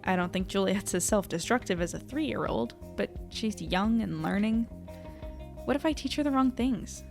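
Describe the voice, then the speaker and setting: A woman's voice: mid-range voice, lively intonation, moderate pace, vocal fry, faint music behind. A woman playing an anxious, self-doubting young newspaper editor, narrating and chatting wryly in an audio drama. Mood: melodramatic worry. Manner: wry, melodramatic, conversational. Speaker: narrator and lead character.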